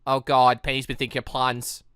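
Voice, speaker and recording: A woman's voice: extremely low pitch, little pitch movement, normal speed, fairly bright tone, clear, resonant tone, no room sound. A woman giving casual, rambling let's play commentary on a visual novel, reacting aloud and often giggly. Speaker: gaming channel host playing a visual novel. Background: game music.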